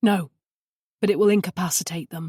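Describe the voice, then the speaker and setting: A raspy, female-sounding put-on character voice at middle pitch moves along at a fairly quick pace. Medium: read story. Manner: blunt, commanding.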